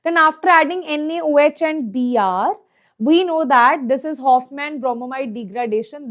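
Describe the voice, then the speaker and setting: A woman with a South Asian accent teaching an exam problem lesson step by step, often checking that students follow with short questions. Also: sits high. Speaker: chemistry teacher.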